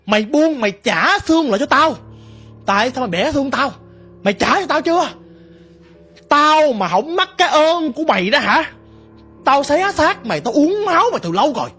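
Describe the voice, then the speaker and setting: A man's voice: extremely high pitch, sing-song, brisk, sharp tone, voice pushed up, heavily acted. A man voicing a vengeful female water demon, snarling and accusing. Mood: furious.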